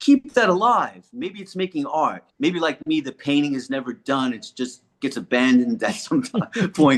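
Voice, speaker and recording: This man's voice is fairly high and swings very widely in pitch. He keeps a moderate speed. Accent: American. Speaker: performance poet, speaks in schools. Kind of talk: interview answer.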